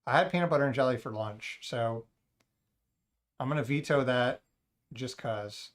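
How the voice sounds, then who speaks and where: A man's voice: mid-range voice, moderate pace. A man hosting a casual livestream, joking and rambling to his chat. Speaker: livestream host.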